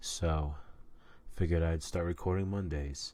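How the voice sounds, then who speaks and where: A man talks with a very deep, low pitch and a relaxed tone at a moderate pace. The recording is very clean, with a silent background. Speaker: podcast host. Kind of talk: casual chat. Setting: at home, quiet night. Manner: relaxed, laid-back.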